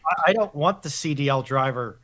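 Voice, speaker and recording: A man's voice: a little high, lively intonation, a little fast, fairly bright tone. A man in a casual panel chat, raising objections in a matter-of-fact way. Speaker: livestream panelist.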